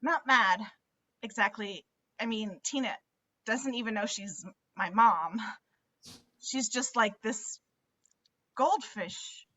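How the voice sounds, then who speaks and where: A woman's voice: on the high side, slow pace, long pauses, bright, forceful tone, lo-fi sound, exaggerated voice. A woman playing an earnest, conflicted teenage girl in a table read of a film script. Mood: wistful, anxious. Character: Max, earnest, conflicted teenage girl grieving her mother.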